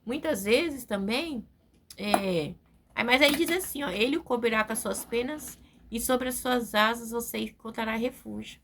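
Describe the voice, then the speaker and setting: A woman's voice: a little high, a bit bright, slight background noise. A middle-aged woman preaching a testimony sermon to her congregation, earnest and often tagging her sentences with a questioning aside. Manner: earnest, fills pauses with frequent tag questions.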